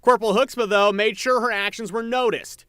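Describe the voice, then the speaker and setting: A man's voice: sits high, fairly even intonation, a little fast, a bit bright, smooth. An American man working as a TV news reporter, delivering a news story. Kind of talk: scripted news narration.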